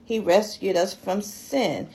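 A woman's voice: medium pitch, slow pace, darkish tone. A woman co-hosting a Christian talk show, teaching conversationally and affirming her partner often. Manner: affirming, frequent murmured agreement.

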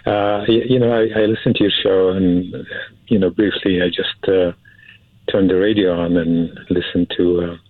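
A man phones into a radio program in a very low, monotone voice with a husky grain. The line is thin and tinny, like an old telephone, with no room sound around him. He stumbles and circles back, repeating the same word several times before he moves on. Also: no room sound. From Syria. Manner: halting, repeats words, restarts often; nervous. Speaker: caller. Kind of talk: call-in radio conversation.

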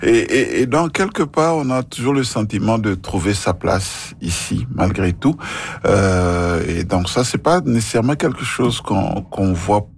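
Low gravelly husky-voiced man. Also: unhurried, a little hiss or hum. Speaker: radio panelist.

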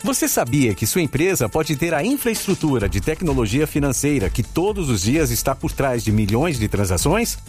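A man's voice: mid-range voice, very animated, normal speed, few pauses, a little mellow, faint music behind. A man reading a polished, persuasive radio ad. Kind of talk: radio ad read.

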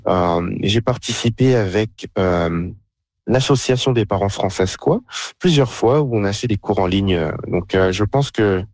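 A man's voice: on the low side, a little slow, darkish tone, no room sound, studio quality. A young man from France, a guest in a casual interview, talking hesitantly with many fillers and restarts. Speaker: interview guest, pastry caterer.

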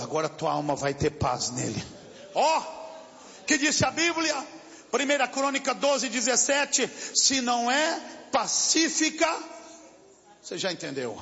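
A pastor preaches and prays fervently, rebuking evil and repeating his phrases in a driving rhythm. His voice sits high for a man. The recording is dull and lo-fi, with a long reverb from a church hall. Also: vocal fry, fairly bright tone. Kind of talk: sermon and deliverance prayer.

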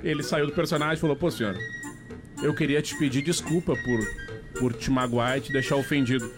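A man with a southern Brazilian accent telling jokes casually as a radio co-host, in a halting, rambling way. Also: medium pitch, fairly even intonation. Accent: southern Brazilian, gaúcho. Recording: music playing behind the voice.

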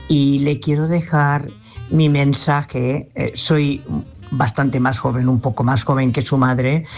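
Low-voiced older Spanish woman calling in. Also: flat delivery, slow pace, creaky, a little mellow, soft background music. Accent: Spanish from La Mancha. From Castilla-La Mancha, Spain. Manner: earnest, repetitive advice with many restarts. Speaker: caller. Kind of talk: radio call-in message.

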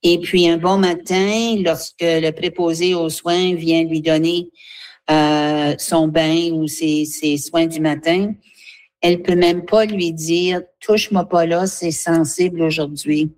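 Woman guest, low-pitched, earnest and halting. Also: fairly even intonation, darkish tone. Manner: earnest, halting, with many fillers. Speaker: guest, seniors' association representative. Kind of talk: radio interview, advocacy.

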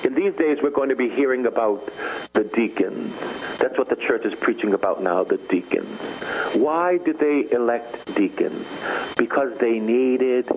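A man's voice: mid-range voice, animated, measured pace, a little hiss or hum. Fervent preacher man, tinny phone-like sound. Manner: fervent, repetitive, rising into intense prayer. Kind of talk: charismatic sermon and prayer.

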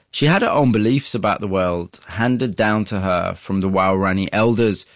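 A man hosting and narrating, telling the story in a measured way and asking interview questions in a studio. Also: fairly low pitch, no room sound. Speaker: host and narrator. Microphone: studio mic.

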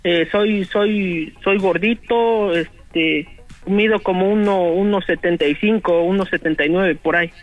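A young man, calling in, relaxed and hesitant with frequent laughs. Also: sits high, a little slow, muffled recording, faint music behind. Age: 20s. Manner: laid-back, giggly, hesitant. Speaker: caller.

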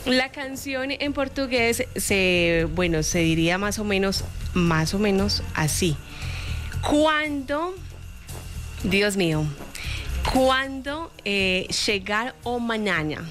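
A woman's voice: mid-range voice, animated, takes it slowly, a bit bright, soft background music. A woman co-hosting a live radio show, chatty and affectionate, laughing easily. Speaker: radio co-host.

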